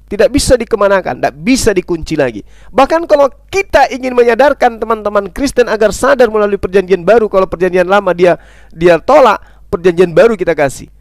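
A man with a high-pitched voice delivers a forceful, insistent debate sermon, quoting scripture. He hammers his points home with repeated rhetorical questions that he answers himself. The sound is close and dry, with no room echo. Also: lively intonation, a little fast. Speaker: Islamic preacher in interfaith debate.

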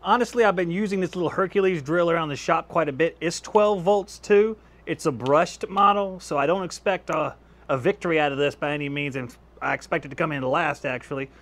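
Speaking a little fast in a fairly high, bright voice, a chatty YouTube host tests tools on a clip-on lapel mic. He's indoors in his home workshop with shelves of power tools, reviewing gear casually and laughing at his own results.

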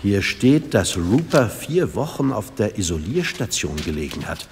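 An actor playing a stern, dutiful police detective in an audio drama, gruff and businesslike. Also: male voice, on the low side, big pitch swings, unhurried, a little mellow. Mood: intent, businesslike. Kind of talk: German audio drama acting. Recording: reverberant sound with background noise.

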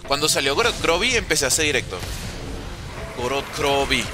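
Venezuelan male streamer, thirties, casual and animated, game music underneath. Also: on the high side, moderate pace. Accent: Venezuelan Spanish. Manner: casual, chatty, hums and sings little sounds while playing. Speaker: gaming streamer. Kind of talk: live gameplay commentary reading chat.

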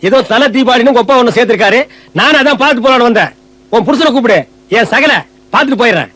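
A man's voice: extremely high pitch, expressive, fast, a bit bright. A man delivering mocking, exasperated film comedy dialogue, scolding everyone around him. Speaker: comic film actor.

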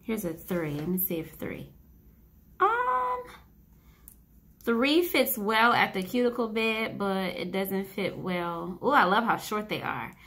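A young woman casually talking through a home nail tutorial while she works at a table, thinking out loud and poking fun at herself. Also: medium pitch, very animated, slow. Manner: chatty, self-deprecating, thinking aloud while working. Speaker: beauty vlogger.

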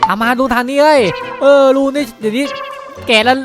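A performer voicing a brash, excitable poor young male worker, whiny and pleading, in a Minecraft roleplay cartoon. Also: high-pitched, fairly quick, over loud music, voice pushed up, natural voice. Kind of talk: improvised Minecraft roleplay dub.

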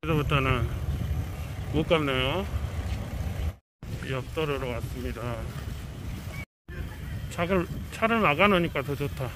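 A man's voice: a little high, measured pace, pauses often, noisy background. A man casually narrating to himself in short, offhand remarks while riding a bicycle along a seaside road. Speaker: travel vlogger. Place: outdoors on a seaside road and beach.

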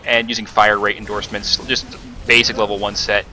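Bright-voiced man narrating his gameplay. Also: lowish voice, little pitch movement, fairly quick. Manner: rambling, many fillers and self-corrections. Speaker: gaming commentator. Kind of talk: casual gameplay commentary.

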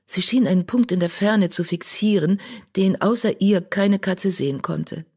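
Steady audiobook narrator. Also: mid-range voice, moderate pace, slightly rough. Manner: even storytelling. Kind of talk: scripted narration.

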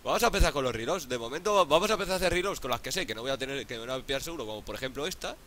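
A man with a Spain Spanish accent doing casual gameplay commentary, excitable, swearing often and pleading out loud. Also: mid-range voice, racing, slight background noise. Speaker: gaming YouTuber.

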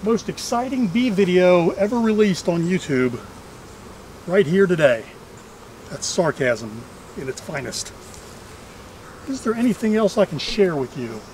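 A man's voice: high-pitched, big pitch swings, a little slow, pauses often, a little mellow, a little hiss or hum, low-quality recording. A middle-aged man giving casual running commentary as a beekeeping vlog host, chatty with dry humor, recorded outdoors. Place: outdoors among trees at beehives.

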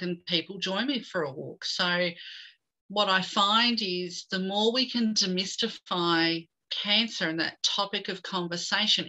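A middle-aged woman from Australia, a guest on a video call, telling her story in an animated way and slipping in jokes. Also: fairly low pitch, low-quality recording. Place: home room with bookshelves.

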